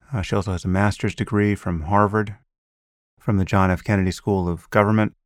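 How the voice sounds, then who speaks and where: Low-voiced male podcast host, dry sound. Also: no room sound. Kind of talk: scripted intro then interview.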